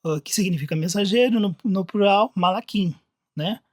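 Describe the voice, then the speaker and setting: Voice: mid-range voice, moderate pace, no echo, studio quality. A teacher with a Brazilian Portuguese accent explaining Bible words from slides in a recorded lesson, talking conversationally, thinking aloud and often restarting sentences.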